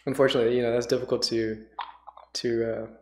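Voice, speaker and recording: A man's voice: mid-range voice, flat delivery, quick pace, a little mellow. A man hosting a casual chat, reacting and searching for words, recorded in a roomy space. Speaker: host reacting to a radio play. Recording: roomy, echoing sound.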